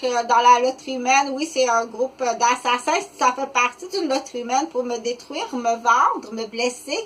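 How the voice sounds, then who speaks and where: A woman in her fifties with a Québécois French accent, talking unscripted to the camera in a rambling, halting way, full of fillers and restarts. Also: sits high, a bit bright. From Quebec, Canada. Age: 50s. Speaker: vlogger.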